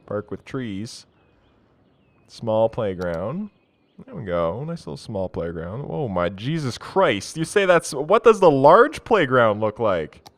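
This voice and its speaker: A young man from Canada giving casual, excitable commentary while playing a city-building game, swearing freely and talking to himself. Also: on the low side. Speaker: let's play gamer.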